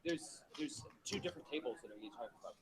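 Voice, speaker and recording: A man's voice: mid-range voice, expressive, fast. A man co-organizing a workshop, chatting casually and restarting his sentences. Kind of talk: casual chat. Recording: noisy room with crowd chatter.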